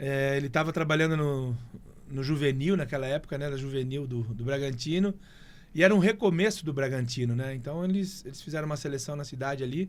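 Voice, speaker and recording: The delivery is fairly quick, with ordinary pitch variation. It is a plain, everyday voice. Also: man, fairly high pitch for a man. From interior of São Paulo state, Brazil. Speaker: former footballer and coach. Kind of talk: interview.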